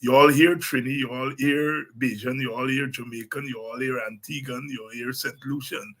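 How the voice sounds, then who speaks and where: Podcast host, middle-aged man, Guyanese accent; loose, chatty delivery with a forward, slightly breathy tone. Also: mid-range voice, fairly even intonation, moderate pace, fairly bright tone. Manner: chatty, repeats words, many ums. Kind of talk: casual monologue.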